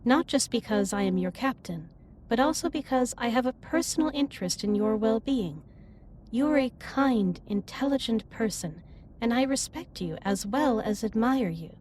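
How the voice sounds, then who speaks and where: A woman performs a female alien starship captain with a fairly high voice. She speaks formally and precisely, with earnest care, in an intimate sci-fi audio drama. There is clear ambient noise behind her. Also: animated, darkish tone, close to an everyday voice. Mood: caring, concerned. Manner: formal, precise, stilted wording with measured delivery. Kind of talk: scripted roleplay audio drama, intimate one-sided dialogue.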